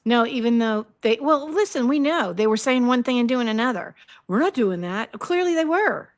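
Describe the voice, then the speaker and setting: A woman co-hosting a political talk show, agreeable and quick to chime in with short replies. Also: on the high side, animated. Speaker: co-host.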